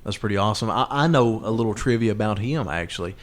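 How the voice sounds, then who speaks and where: A man's voice: on the low side, lively intonation, fast. A man hosting a podcast in a casual, chatty way, often chiming in with short reactions. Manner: interjecting, reacting with short exclamations. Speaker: podcast host. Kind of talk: casual chat.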